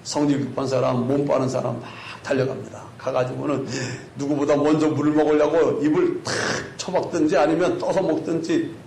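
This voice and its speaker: A male pastor preaching a sermon, telling the story with lively rhetorical questions to the congregation. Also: fairly quick, gravelly, hardly any pauses. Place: church sanctuary. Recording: echoey church hall with faint rumble.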